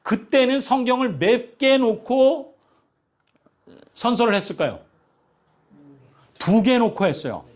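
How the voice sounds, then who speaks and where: A man in his fifties, a pastor giving a lively lecture in church, asking the audience questions and joking with them. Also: extremely high pitch, slow, long pauses. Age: 50s. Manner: animated, asks the audience questions and jokes with them. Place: church hall.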